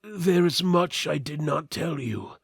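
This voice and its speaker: A man voicing a dying, solemn prince in a fantasy story, weak and halting in a dramatic way. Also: fairly high pitch, animated, creaky, husky, no echo, studio quality, voice pushed up, exaggerated voice. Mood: solemn confession. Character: dying noble prince, frail, solemn, secretive companion.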